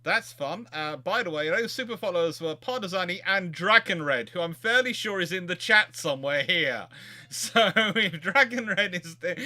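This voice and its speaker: A man chatting casually as the host of a livestream, speaking in a halting, hesitant way. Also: high-pitched, bright, forceful tone.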